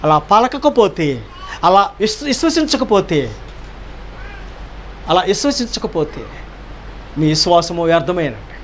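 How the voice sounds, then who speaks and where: A man's voice: sits high, sing-song, unhurried, pauses often, slight background noise. A man pastor delivering a sermon, emphatic, firing rhetorical questions and repeating key phrases.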